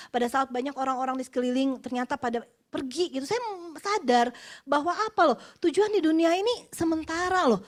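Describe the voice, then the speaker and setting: A woman from West Java, Indonesia, in her 40s, whose voice sits high, gives a personal testimony sermon during an office worship meeting. She is expressive and chatty, laughing between points and dropping in bits of English.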